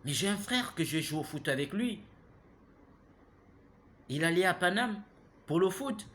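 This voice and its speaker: A man, giving an impassioned, preachy monologue that keeps turning to the listener with "hein?" and grows loud and heated. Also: sits high, expressive, measured pace, a little hiss or hum. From Gabon. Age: 30s. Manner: preachy, repeats himself, asks listeners "hein?". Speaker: vlogger.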